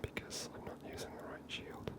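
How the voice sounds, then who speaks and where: Whispering man, ASMR game commentary. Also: a little fast. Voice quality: breathy unvoiced whisper. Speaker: gaming video host.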